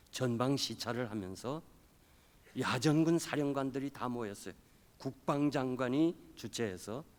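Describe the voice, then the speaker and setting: A male pastor preaching a revival sermon, telling a story and acting out the quoted voices, swinging between loud and soft. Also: medium pitch. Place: church sanctuary. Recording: long hall reverb.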